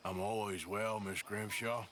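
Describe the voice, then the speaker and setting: Gruff outlaw gunman, video game, dry world-weary drawl, slow, bright tone. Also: fairly low pitch, fairly even intonation.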